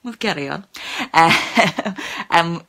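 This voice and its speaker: Young woman host who stammers, chatty and full of fillers, bright gravelly tone, phone-recorded in a small room. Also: fairly low pitch, expressive, slow pace. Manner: stammers, with many fillers and repeated words. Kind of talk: casual live-stream chat. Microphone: phone held at arm's length.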